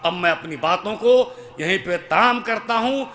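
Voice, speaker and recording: A man's voice: sits high, animated, pushed and bright. A man preaching a sermon at an outdoor religious gathering, speaking in an oratorical manner and leading the crowd in chanted invocations. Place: outdoor conference in a mosque courtyard.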